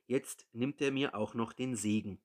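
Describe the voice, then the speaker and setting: A man's voice: mid-range voice, measured pace, lightly acted. A man voicing a bitter grown son, a hunter, who pleads earnestly with his father. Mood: pleading.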